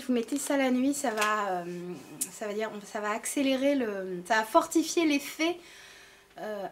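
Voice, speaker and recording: Chatty woman, fairly high voice. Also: slight background noise. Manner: chatty, hesitant, many fillers. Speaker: beauty vlogger. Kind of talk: casual product haul talk.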